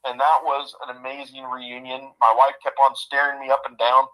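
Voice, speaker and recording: A man of about fifty with a bright, forceful voice who talks in a heartfelt, halting way, doubling back on his words. He shares a personal story over what sounds like a phone-line call. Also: medium pitch, level tone. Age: 50s. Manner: heartfelt, halting, repeats himself. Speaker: guest.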